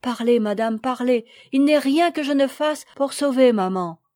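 A desperate seven-year-old boy begs through sobs in a storybook tale, as a woman reader puts him on. The voice sits high and pushes out loud and urgent, recorded close and dry. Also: expressive, moderate pace, no echo. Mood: pleading. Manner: pleading, sobbing.

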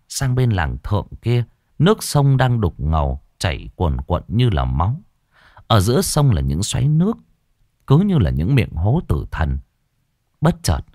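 A man narrating a ghost story in a dramatic, expressive way. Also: fairly low pitch, no echo, clean studio sound.

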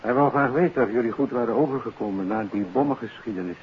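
An actor as genial police official, medium-pitched. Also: male voice, fast talker, natural voice. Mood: genial, reflective. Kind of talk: 1950s radio drama acting. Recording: dull, hissy 1950s radio recording.

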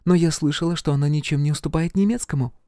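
A man's voice: a little high, fast, warm tone, no echo, studio quality, pitched above the performer's own voice, natural voice. A male reader voicing a shy, polite young common-born girl, humble and respectful.

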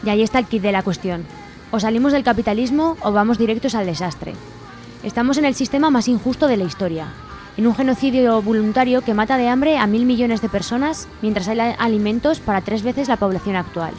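A woman's voice: on the high side, fairly quick, darkish tone. A woman with an accent from Spain reading an indignant, scripted editorial as a radio presenter. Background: music under the voice.

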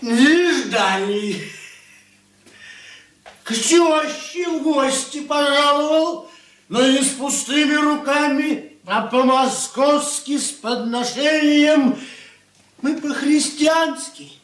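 An actor playing a drunk, showy merchant's clerk son-in-law in a radio play, mock-pious and theatrical, in a high voice and a roomy sound. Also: male voice, slow, fairly bright tone, exaggerated voice. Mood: jovial. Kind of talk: 1980s radio play acting.

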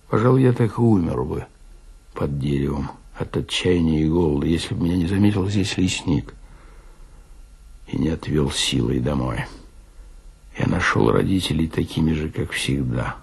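An actor playing an embittered, despairing man in a radio drama monologue, husky and gravelly, brooding in his delivery. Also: low-pitched, heavily acted. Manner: slow, brooding, with emphatic swells and hushed drops. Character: embittered, despairing male drinker recounting his shattered childhood.

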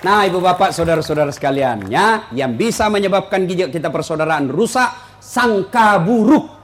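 Brief: man, very high voice for a man, comic preacher, faint room ambience. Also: animated, moderate pace, slight background noise. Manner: joking, teasing the audience with questions. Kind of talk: humorous sermon to a live audience.

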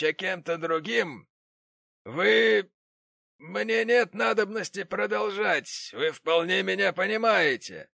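Pompous wealthy father in an audiobook, voiced by a male reader: lofty, indignant, slow, dry close sound. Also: high voice, vocal fry, bright, forceful tone, no room sound, voice pushed up, exaggerated voice. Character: pompous rich middle-aged father, a brass founder. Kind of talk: audiobook character reading.

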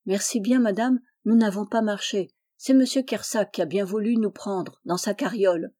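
A woman's voice: mid-range voice, normal speed, mellow, natural voice. A woman reading aloud and voicing a polite, earnest, kind peasant boy.

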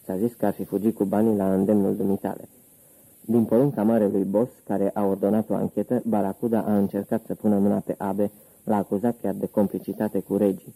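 A man reading an audiobook, voicing a wary, blunt male gangster lieutenant in a gruff manner. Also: fairly low pitch, little pitch movement, mellow, poor audio. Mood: reporting.

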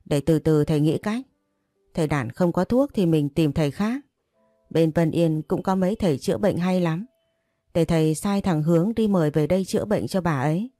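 A woman's voice: sits low, moderate pace, mellow, dry recording, studio quality, soft background music, close to an everyday voice. A woman voicing an irritable old patriarch who scolds and commands his household, in a storybook reading. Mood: stern.

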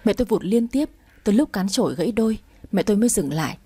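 A woman's voice: medium pitch, expressive, fast, warm tone, husky. A woman narrating a first-person family drama story and voicing its characters.

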